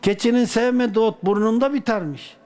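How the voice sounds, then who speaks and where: A man from Turkey, a dervish, telling a personal anecdote in a colloquial, lively way with folk sayings. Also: high-pitched, a little fast, slight background noise. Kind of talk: casual spoken anecdote.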